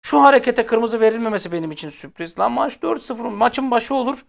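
This football fan channel host has a very high-pitched, creaky voice that's animated and a little fast. Talking straight to his audience, he rants casually, blunt and heated with exasperation, and repeats phrases to drive them home.

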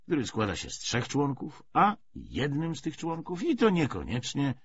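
Guy narrating as a bossy bolshevik commissar, preachy n emphatic, big pitch swings, bit dull sound. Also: huge pitch swings, husky, heavily acted. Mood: brisk, official. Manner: lecturing, emphatic, deliberate. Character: self-assured male Bolshevik political commissar, didactic and commanding. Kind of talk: audiobook character dialogue.

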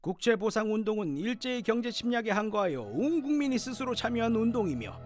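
Very old grandfather, feisty, scolding storyteller, very high animated voice, old-fashioned phrasing, educational audio drama. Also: fairly quick, soft background music. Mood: earnest storytelling.

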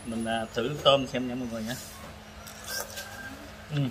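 A man in his thirties hosting a casual food review while eating, speaking haltingly with hesitations and repeated words. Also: medium pitch, little pitch movement. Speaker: food vlog host. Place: open-air casual restaurant. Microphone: camera across the table. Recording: noisy eatery ambience, traffic.

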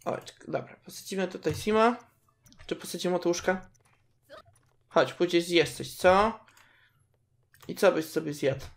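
A woman's voice: fairly low pitch, a little slow, gravelly, pauses often. A woman casually commenting on her game, chatting to her characters and reacting as she plays. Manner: chatty, talks to her game characters, squeals at cute moments. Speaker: gaming video host.

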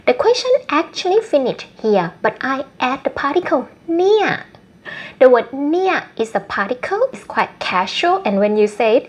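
A woman with a Thai accent teaching an online language lesson, explaining patiently and repeating phrases slowly for learners. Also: on the high side, breathy edge. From Thailand.

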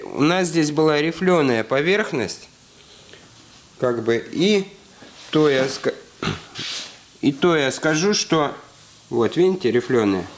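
Recorded close on a handheld camera mic in an indoor garage workshop, a man in his thirties runs a casual hands-on tutorial while a bit under the weather. His slightly high voice explains each step, packed with fillers and repeated "то есть". There is slight background noise.

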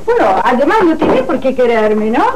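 A woman's voice: high voice, sing-song, moderate pace. A woman playing a cunning, insistent gypsy fortune-teller in a telenovela. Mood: coy. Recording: noisy old TV broadcast recording.

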